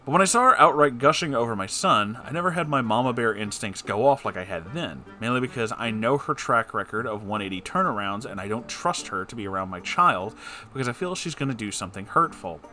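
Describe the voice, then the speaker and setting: Theatrical, lively man reading letters over music. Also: medium pitch, fairly quick. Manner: theatrical, wry asides. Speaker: host of a show reading and answering listener letters. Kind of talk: expressive reading of listener letters with conversational commentary and advice.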